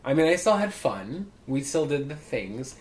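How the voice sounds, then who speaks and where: A man's voice: mid-range voice, big pitch swings, normal speed, darkish tone. A man co-hosting a casual podcast, telling a story in a chatty, self-mocking way. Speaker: podcast co-host.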